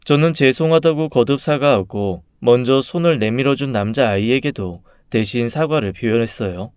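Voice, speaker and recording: A man reading a first-person story aloud in a calm, subdued, even manner. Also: medium pitch, smooth, no echo, clean studio sound. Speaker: story reader.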